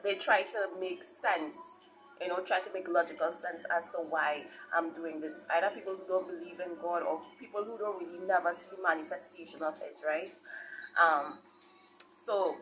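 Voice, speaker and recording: A woman's voice: fairly low pitch, normal speed, fairly bright tone, rough recording. Caribbean woman preaching conversationally over music. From Saint Vincent, grew up in Trinidad. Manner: conversational, repeats herself, often checks in with "right?". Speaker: online preacher and channel host. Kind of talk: informal testimony and preaching to camera.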